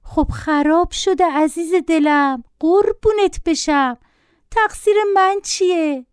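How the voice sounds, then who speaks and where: A woman's voice: very high voice, no room sound, clean studio sound, voice pushed up. A woman voicing an indulgent mother who pleads sweetly with her screaming son. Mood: doting. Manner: sugary, pleading, slow.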